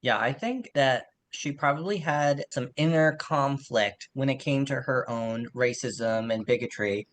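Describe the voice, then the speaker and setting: Male podcast co-host, medium-pitched, informal literary analysis, reflective and careful to qualify his points. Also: a little slow, hardly any pauses, slight background noise. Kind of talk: casual literary discussion.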